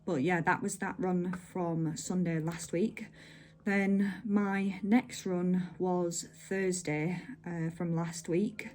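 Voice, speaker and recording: Woman, slightly low pitch, casual running vlogger, informal and meandering, faint background music. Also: darkish tone. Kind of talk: casual chatty vlog update to camera.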